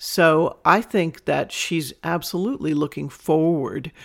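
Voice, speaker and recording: On a very clean recording with a silent background, a woman talks at a fairly slow pace in a fairly low voice. Her tone is animated, with ordinary pitch variation. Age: 60s. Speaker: sex educator podcast host. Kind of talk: advice monologue answering listener letters. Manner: animated, frequent laughter.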